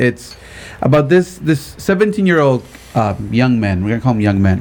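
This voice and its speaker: Noticeable background noise sits behind a man with a Spanish accent. He speaks at medium pitch and a fairly quick pace with lively intonation. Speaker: podcast co-host. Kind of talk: casual chat.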